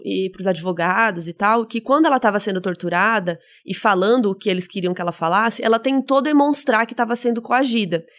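A woman co-hosting a podcast, explaining case details in a chatty way with explanatory asides. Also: on the high side. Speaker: podcast co-host. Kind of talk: casual true-crime retelling.

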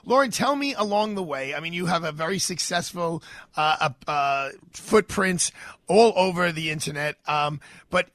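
A man's voice: a little high, expressive, moderate pace, fairly bright tone, no echo. A man hosting a live radio talk show, introducing and interviewing a guest with effusive energy.

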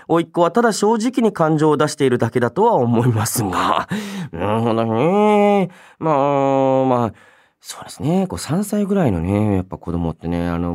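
Animated man hosting a radio show. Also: mid-range voice. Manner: expressive, swinging between emphatic reactions and softer asides; polite conversational phrasing. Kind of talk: solo radio talk reading listener mail and chatting.

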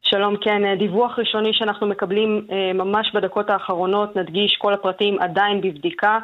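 A woman reporter gives a brisk, precise breaking news update, repeating the main facts. Her voice comes through a thin, tinny phone line. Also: medium pitch, level tone.

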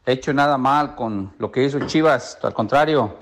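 A man's voice: medium pitch, moderate pace. A man with a Mexican accent leaving a casual, opinionated audio message, emphatic, colloquial and repeating himself.

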